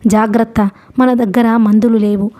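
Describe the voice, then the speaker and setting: A woman's voice: a little high, flat delivery, normal speed, mellow, close to an everyday voice. A woman narrator voicing a worried, caring young man who searches for a lost companion and reassures her. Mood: concerned.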